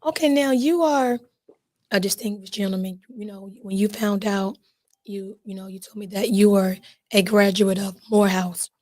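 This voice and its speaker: A woman's voice: medium pitch, moderate pace, a little mellow. A woman co-hosting a podcast interview, asking the guest about his background. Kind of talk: casual interview.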